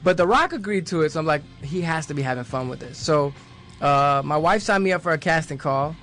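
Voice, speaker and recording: A man's voice: a little high, animated, a little fast, a bit bright, soft background music. A man from New York, a guest on a radio show, talking at the studio mic in a rambling, easygoing way and often laughing. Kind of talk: casual interview talk. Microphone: studio microphone.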